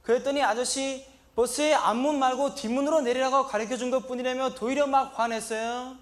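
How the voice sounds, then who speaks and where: High-voiced naive migrant worker Blanca. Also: male voice, fairly even intonation, a little fast. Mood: plaintive. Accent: Sri Lankan. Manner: broken, simple Korean sentences; shouted indignant catchphrase. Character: naive young male migrant worker, earnest, put-upon. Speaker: comedian. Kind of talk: stand-up comedy monologue.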